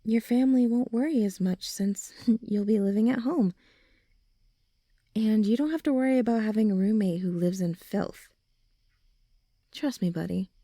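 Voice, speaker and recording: A young woman playing a supportive, gently reassuring friend in an ASMR comfort roleplay, speaking softly and soothingly. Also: mid-range voice, normal speed, pauses often, no room sound, studio quality, lightly acted. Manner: soft, soothing, encouraging, breathy sighs and chuckles.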